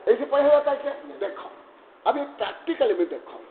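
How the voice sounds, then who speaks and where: Religious teacher, male, high-pitched, chants then lectures conversationally with questions; tinny lo-fi sound, echoey hall. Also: animated, fairly quick, a little hiss or hum. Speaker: Jain monk teaching scripture. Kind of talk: scripture class lecture.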